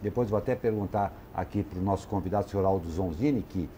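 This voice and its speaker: A man's voice: deep voice, fast talker, mellow, slight background noise. A man presenting a regional news program, reading items and making casual asides to viewers. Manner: chatty, informal asides to viewers. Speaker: news anchor.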